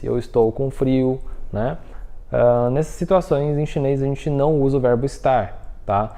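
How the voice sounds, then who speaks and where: Guy giving a mandarin lesson, warm low-key voice, patient, keeps checking you're following. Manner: patient explaining, frequent check-ins with listener; models example phrases slowly. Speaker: Mandarin teacher. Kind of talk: online language lesson.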